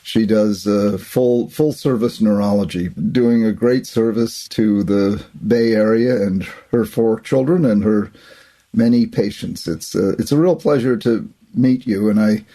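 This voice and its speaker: A man's voice: lowish voice, measured pace, dark tone. A man hosting an interview podcast in an effusive, encouraging way. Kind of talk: warm interview conversation.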